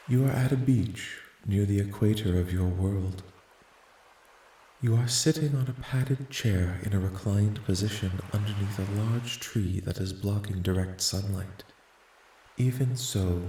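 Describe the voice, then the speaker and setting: A man voicing a calm, curious alien in an ASMR roleplay, speaking softly with formal, detached, precise wording. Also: on the low side, reverberant, slight background noise. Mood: calm, descriptive. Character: calm, curious, clinical male alien studying human dreams. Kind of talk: soft-spoken ASMR roleplay, scripted.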